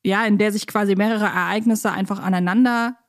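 Woman hosting a fan podcast, casual chat, medium pitch, really dry close recording. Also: fairly even intonation, a little fast, dry recording. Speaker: podcast host.

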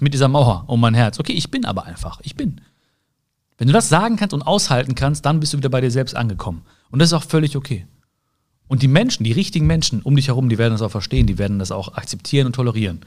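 Gentle encouraging male podcast host. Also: medium pitch. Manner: speaks straight to the listener, gentle and encouraging; tags sentences with "ja?" and "ne?". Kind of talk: reflective self-help monologue.

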